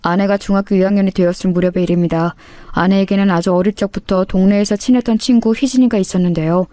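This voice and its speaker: A woman narrating a true-life story in a calm, conversational way, with faint music behind. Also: medium pitch, quick pace, clean tone, dry recording, clean studio sound.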